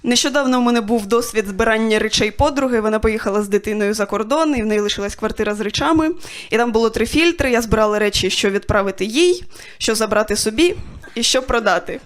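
A young woman performing a stand-up set, telling stories in a dry way with quick voiced asides. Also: fairly high pitch. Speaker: stand-up comedian. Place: stage of a small comedy club.

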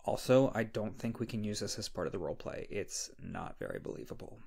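A man playing a shy, flustered, insecure young scriptwriter in an intimate ASMR roleplay, speaking hesitantly with a husky, creaky voice. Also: on the low side, lively intonation, darkish tone, exaggerated voice. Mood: bashful, processing. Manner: hesitant, halting. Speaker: audio roleplay performer. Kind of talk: ASMR roleplay, intimate one-sided dialogue.

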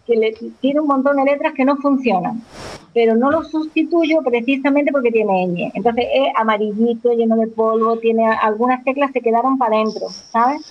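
A woman's voice: a little high, normal speed. A woman in her forties with an accent from Spain, answering interview questions in a chatty way, often restarting and repeating words. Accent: Spanish from Spain. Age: 40s. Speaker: interview guest. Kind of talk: casual conversational interview. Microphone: phone call. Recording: narrow phone line.

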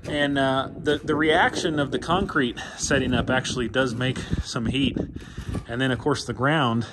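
Young guy, mid-pitched, relaxed and chatty, explains as he works; handheld camera, noisy outdoor sound. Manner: easygoing, explains step by step, many "uh" pauses. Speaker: vlogger, pilot building a hangar. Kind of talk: casual walk-through narration. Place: unfinished hangar and open field, in and out of doors.

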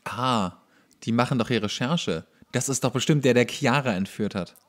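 A man's voice: medium pitch, moderate pace. A man giving casual, sarcastic running commentary on a show as he watches it, as a podcast host.

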